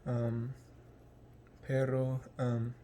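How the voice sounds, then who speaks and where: Young man, American accent, halting speech, monotone, faint room noise. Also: medium pitch. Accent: American English. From United States. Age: young adult. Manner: halting, searching for words with many ums. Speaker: language learner. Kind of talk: casual vlog.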